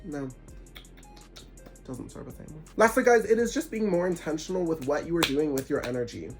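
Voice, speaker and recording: A man's voice: on the high side, a little fast, over music. Congested young man preaching spiritual advice. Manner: animated, preachy, sarcastic asides. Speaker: vlogger. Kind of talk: casual spiritual advice monologue.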